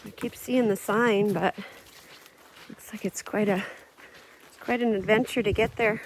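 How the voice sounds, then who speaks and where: A woman chatting her way through a camping vlog, talking into a handheld camera outside. Her voice sits at a middling pitch, and she laughs easily and fills gaps with ums and uhs. A faint outdoor hiss stays underneath. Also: steady tone, measured pace. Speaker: camping vlogger. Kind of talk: casual outdoor vlog narration. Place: outdoors at a lakeside forest campsite.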